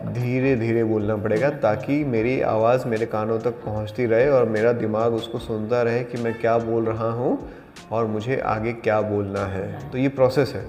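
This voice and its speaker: A man teaching an acting class, explaining exercises in a calm, deliberate way and mixing in English terms. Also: fairly low pitch. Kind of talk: spoken acting lesson. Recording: echoey hall with faint music.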